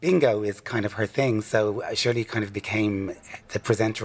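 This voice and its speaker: With a Dublin accent, a man talks at a fairly quick pace, his fairly low pitch following a fairly even intonation. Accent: Dublin Irish. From Ireland, Dublin. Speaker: drag performer and bingo host. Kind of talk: interview.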